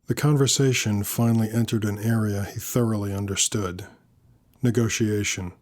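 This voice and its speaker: A man narrating a scripted first-person story in a measured, dry, wry manner. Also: lowish voice, fairly even intonation, a little mellow.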